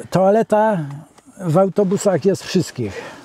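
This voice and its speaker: Noticeable background noise sits behind a man who speaks very slowly at a high pitch with ordinary pitch variation. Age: 70s. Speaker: retired truck driver. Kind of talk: interview. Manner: halting, with many fillers.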